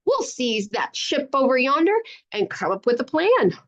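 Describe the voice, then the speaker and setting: A woman voicing a gruff, stubborn young boy pirate for a children's storybook, growling and exclaiming in a stage pirate accent, on a dull lo-fi recording. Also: high voice, sing-song, normal speed, fairly bright tone, full character voice. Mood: gruff, defiant. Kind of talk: children's storybook read-aloud.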